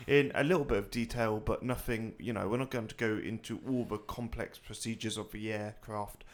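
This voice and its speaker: A man's voice: lowish voice, fairly even intonation, moderate pace. Young man chatting with lots of fillers. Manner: rambling, filler-heavy, hesitant. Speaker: co-host of a flight-sim tutorial. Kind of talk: casual tutorial chat.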